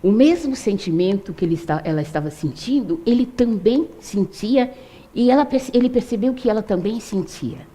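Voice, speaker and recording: A woman's voice: medium pitch, lively intonation, moderate pace, dark tone. An older woman telling a true story to an audience in a conversational way, with frequent tag questions.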